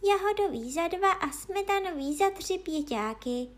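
A woman voicing a little, naive princess in a high childlike voice, in a children's story reading. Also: expressive. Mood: prostoduchá. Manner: vysoký dětský hlásek. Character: malá princezna, dívka, naivní.

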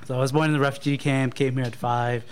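A man answering interview questions at a mid pitch, slow to find his words, with pauses and fillers throughout. His tone is modest and reflective. Faint background noise sits behind him. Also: little pitch movement. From born in Thailand to Cambodian parents, raised in Canada. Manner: hesitant, many ums and uhs, thoughtful pauses. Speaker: marketing manager and guest.

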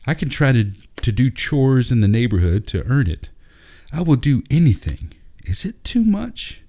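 Male narrator as hopeful young son, storybook character; earnest, pleading, lifted above the reader's deep register. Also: very animated, normal speed, dark tone. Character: eager, hopeful young boy asking his daddy.

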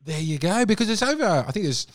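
An Australian man hosts a podcast over a remote call, gushing with superlatives as he introduces and quizzes his guest. His voice is high and sing-song, and he talks fast. The recording is dry and clean, with studio sound.

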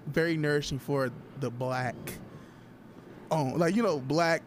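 A man with an African American accent and a fairly high voice talks casually with friends. He restarts and doubles phrases for emphasis. There is some noise and room ambience behind him. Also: measured pace. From Toledo, Ohio, USA. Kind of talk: casual group chat.

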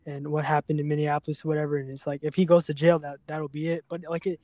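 A man hosting a serious podcast conversation, speaking earnestly and haltingly, often repeating words as he goes. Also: fairly high pitch, level tone, darkish tone, dry recording. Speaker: podcast host.

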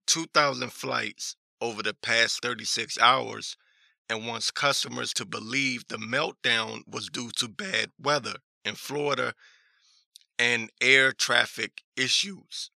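A man with a hoarse voice giving casual news commentary as a talk show host, halting and repeating himself in a skeptical manner as he reads articles aloud. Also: mid-range voice, bright, forceful tone, no room sound.

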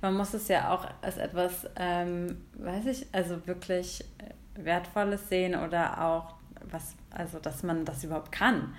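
A woman's voice: on the low side, fairly even intonation, unhurried, a little hiss or hum. A young woman from Germany chatting casually, leaning on fillers. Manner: chatty, leans on fillers like halt and ähm. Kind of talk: casual chat.

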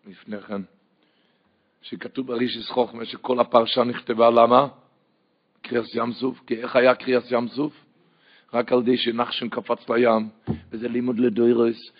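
A man preaching a Torah sermon as a rabbi, with an Ashkenazi Hebrew pronunciation and Yiddish words, moving from hushed teaching to fervent crying out. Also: mid-range voice, slightly rough. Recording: muffled lo-fi recording.

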